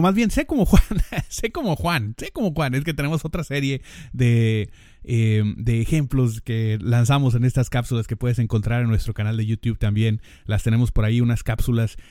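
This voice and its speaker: In a clean studio recording with no room sound, this male podcast host speaks in a warm, mid-range voice. He has a northern Mexican Spanish accent and chats casually, addressing the listener directly and playing out small dialogues.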